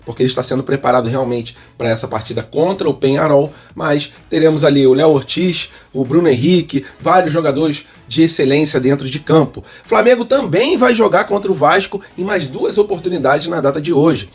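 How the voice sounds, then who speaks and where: A man with a Brazilian accent and husky voice, hosting informal football news as a partisan fan who addresses viewers directly. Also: fairly high pitch, fairly quick, hardly any pauses. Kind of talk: informal sports news commentary.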